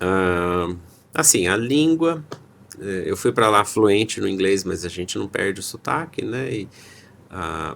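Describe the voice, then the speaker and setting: A man with a fairly low pitch speaks at a very slow pace, his lively intonation broken by long, frequent pauses. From Brazil, Rondônia (Cerejeiras). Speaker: neurosurgeon. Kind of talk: podcast interview. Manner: halting, with repetitions.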